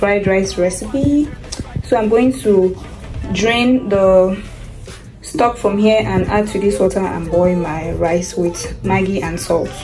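Over clear music in the background, a woman talks at a fairly slow pace. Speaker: vlogger. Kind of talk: casual vlog cooking tutorial. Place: kitchen. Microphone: phone near.

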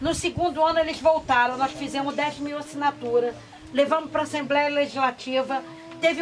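A woman speaks at a fairly quick pace in a high voice with fairly even intonation. Light background noise can be heard. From Rio de Janeiro state. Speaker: teacher and council member; teacher, council member. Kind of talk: council meeting debate. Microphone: camera far.

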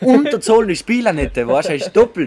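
Over light background noise, a man talks at a fairly quick pace in a South Tyrolean accent. His pitch swings very widely. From South Tyrol, Italy. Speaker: podcast host. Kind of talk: casual podcast conversation. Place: garden. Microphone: studio mic.

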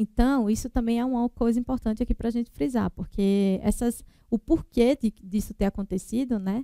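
Against a quiet background with a dry sound and no echo, a woman with a northeastern Brazilian accent speaks at a moderate pace in a fairly high voice with a dark, mellow tone and ordinary pitch variation. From Alagoas, Brazilian Northeast. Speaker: architect and exam-prep teacher; course instructor. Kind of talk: lecture. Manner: halting, many fillers. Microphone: headset.

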